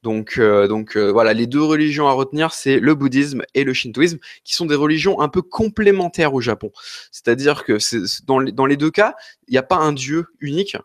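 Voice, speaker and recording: A man's voice: mid-range voice, a little fast, dry recording, clean studio sound. A man from France hosting a live question-and-answer stream, talking in a rambling, hesitant and apologetic way while a little ill with an occasional cough. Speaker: host answering viewer questions.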